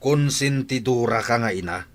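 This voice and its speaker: A man's voice: mid-range voice, moderate pace, lightly acted. A man voicing a strict, hot-tempered father who scolds his family in an audio drama. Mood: scolding. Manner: scolding, shouts when angry.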